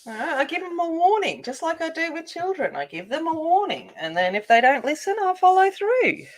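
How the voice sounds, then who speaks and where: A woman's voice: very high voice, very animated, fairly quick. A woman casually chatting with live viewers as she colors, rambling and full of fillers. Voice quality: not soothing by her own account. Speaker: coloring channel host. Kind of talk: casual chat while coloring.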